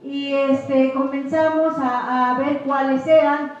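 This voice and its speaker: A woman whose first language is Chol speaks slowly and haltingly, leaning on "este" between thoughts. Her voice is high. The audio is dull and muffled, heavy with echo from a large room. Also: steady tone, soft background music. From Chiapas, Mexico. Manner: slow and hesitant, many "este" fillers. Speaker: activist speaker on a panel. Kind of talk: public talk presentation.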